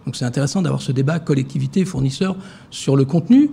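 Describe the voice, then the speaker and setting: A man's voice: medium pitch, fast, creaky, dark tone, breathy edge. A man giving hesitant, filler-heavy answers in a TV interview as director of a social security fund. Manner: hesitant, many fillers and restarts.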